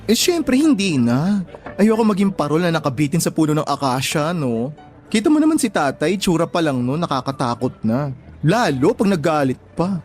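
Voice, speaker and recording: A man's voice: fairly high pitch, sing-song, moderate pace, a little mellow. A young gay Filipino man in an audio drama. He is campy and sassy, telling things theatrically in casual slang over a music bed. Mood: teasing. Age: young adult.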